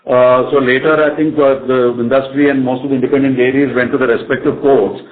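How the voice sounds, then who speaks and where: A man's voice: mid-range voice, little pitch movement, brisk. A man with an Indian accent, a company executive fielding analyst questions on a conference call. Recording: tinny narrow phone-line conference call.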